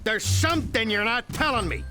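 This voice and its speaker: An actor playing a pushy, bumbling police captain in a cartoon, brash and loud. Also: male voice, very high-pitched, expressive, moderate pace, music in the background. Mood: gruff.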